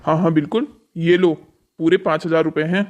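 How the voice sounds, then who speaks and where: Bossy hotel boss played by a man, fairly high-pitched. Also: fairly even intonation, moderate pace, darkish tone, highs cut off, close to an everyday voice. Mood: dismissive. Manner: bossy, commanding. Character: stern, exploitative hotel boss, an adult man. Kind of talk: scripted cartoon story dialogue.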